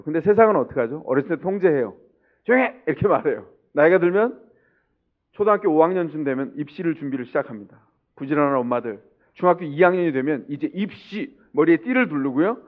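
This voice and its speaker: A middle-aged man preaching a sermon as pastor, putting rhetorical questions to the congregation and acting out the people in his stories. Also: fairly high pitch. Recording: tinny, narrow-band lo-fi sound.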